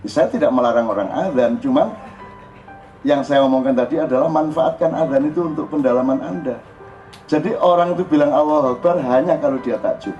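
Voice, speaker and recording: Older man, Javanese accent, informal religious talk, animated and joking, muffled recording. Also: mid-range voice, fairly quick. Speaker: religious speaker. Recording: dull lo-fi recording with faint music.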